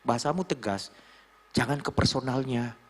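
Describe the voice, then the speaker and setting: A middle-aged man preaching a sermon in a church, telling a story with lively animation. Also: medium pitch, normal speed. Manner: lively storytelling, mimics voices, chuckles. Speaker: pastor. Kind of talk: sermon with acted quotes.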